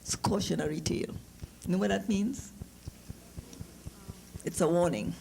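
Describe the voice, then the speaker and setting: A middle-aged woman with a Trinidadian accent reads a literary story to an audience, with informal asides and measured, deliberate phrasing. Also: fairly low pitch, creaky, dark tone, rough recording. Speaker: author giving a public reading. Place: live lecture event. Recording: noticeable background noise, clicks.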